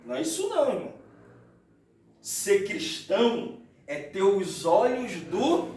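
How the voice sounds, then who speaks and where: Brief: high-voiced pastor, animated storyteller, distant hall echo. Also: male voice, unhurried. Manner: animated storytelling preacher, addresses listeners as brother. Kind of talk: sermon. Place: church hall. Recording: echoey church, mic far off.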